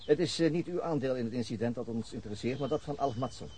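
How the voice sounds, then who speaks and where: An actor playing a calm male detective asking probing questions in a radio drama. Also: medium pitch, fast, slight background noise, natural voice.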